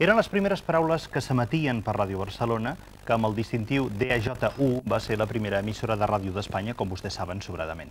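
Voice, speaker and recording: At a fairly quick pace, a man speaks at medium pitch in a plain, everyday voice. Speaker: TV interviewer, presenter. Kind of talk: TV presenter interview.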